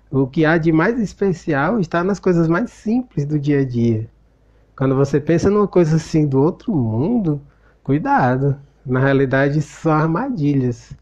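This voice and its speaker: A man's voice: on the high side, a little mellow, highs cut off. Reflective Brazilian man retelling a story. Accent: Brazilian Portuguese. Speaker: book commentator. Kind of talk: casual spoken book commentary.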